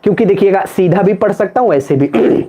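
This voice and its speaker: A man's voice: high-pitched, fairly even intonation, fast talker, mellow, lo-fi sound. A man teaching Sanskrit in a live online exam-prep class, chanting word forms in a sing-song rhythm and joking with viewers in the chat. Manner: playful, banters with viewers in chat.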